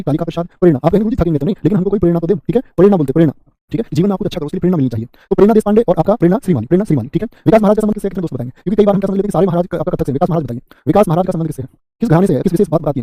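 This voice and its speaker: A man's voice: high-pitched, dark tone, dry recording, clean studio sound. A man teaching an exam class live online, chatty, rattling off memory tricks and asking the class questions. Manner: fast, chatty, keeps asking "what will you say?". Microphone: close mic, sped-up video.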